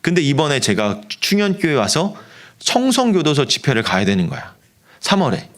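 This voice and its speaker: A man's voice: on the high side, normal speed. A middle-aged man, a pastor preaching a youth sermon, telling a story and acting out the voices in it. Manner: animated, acts out quoted voices of friends.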